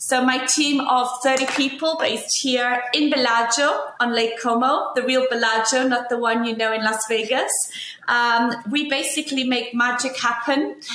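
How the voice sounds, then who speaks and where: A woman's high voice at a moderate pace, flat and monotone, with very even loudness, noticeable background noise and audible room echo. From England. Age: 50s. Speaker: travel company founder. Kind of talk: podcast interview.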